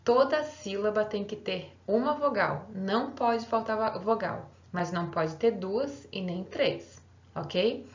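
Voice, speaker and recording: A woman's voice: medium pitch, slow pace. Woman teacher, patient step-by-step explaining, slightly muffled recording. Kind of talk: recorded online grammar lesson. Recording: roomy, slightly dull home recording.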